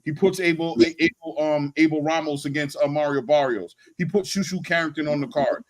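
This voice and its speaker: A man's voice: a little high, fairly quick. A man hosting a boxing channel, talking casually and emphatically in slang, often repeating words for emphasis. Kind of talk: animated casual sports talk and opinion.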